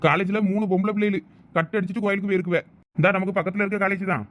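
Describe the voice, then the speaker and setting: A man voicing a fast-talking chatty police officer. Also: high-pitched, fairly even intonation, fairly bright tone. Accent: Thoothukudi Tamil. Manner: rapid, chatty, explaining at length. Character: talkative middle-aged male police officer. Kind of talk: cartoon voice acting.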